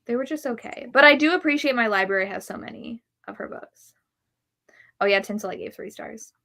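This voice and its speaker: A woman's voice: a little high, brisk, vocal fry, bright, forceful tone. A woman hosting a live book chat, giving candid, opinionated reviews in a casual way. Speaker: book reviewer and livestream host. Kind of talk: casual chat about books on a live show.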